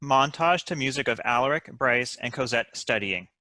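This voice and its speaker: A man's voice: medium pitch, expressive, moderate pace, pushed and bright, no echo. A man reading stage directions as scripted narration for a comedy table read.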